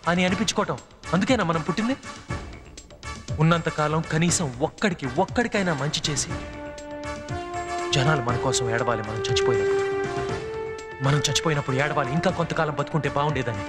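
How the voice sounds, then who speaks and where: Male actor as loyal young action hero, high pitch, urgent and imploring, film drama, loud music behind. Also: close to an everyday voice. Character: earnest young action hero, loyal, pleading brotherly friend.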